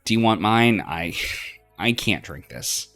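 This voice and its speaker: A man's voice: fairly low pitch, very animated, measured pace, fairly bright tone, faint music behind, voice pushed up, full character voice. A man voicing an eager, sweet, shy young woman in visual novel dialogue. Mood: reluctant.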